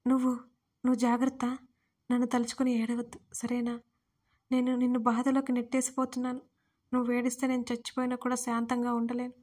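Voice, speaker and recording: A fading young wife speaks in a soft, faltering hush, as a woman narrator gives her voice. Her voice sits high and stays level, with little rise or fall. It is a tender storybook role in an audio drama. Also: completely flat delivery, a little fast, natural voice. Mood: faint, tender.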